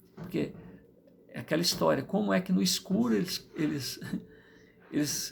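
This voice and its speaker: With vocal fry and very wide pitch swings, the speaker keeps a moderate pace. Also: man. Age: 60s. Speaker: spiritist lecturer. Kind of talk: lecture. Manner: halting, with repetitions.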